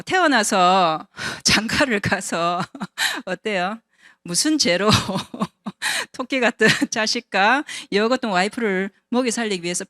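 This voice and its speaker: A woman's voice: mid-range voice, fairly bright tone, no echo, studio quality. A woman in her fifties giving a personal testimony at a business seminar, talking conversationally and asking the audience rhetorical questions. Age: 50s. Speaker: invited speaker at a business seminar.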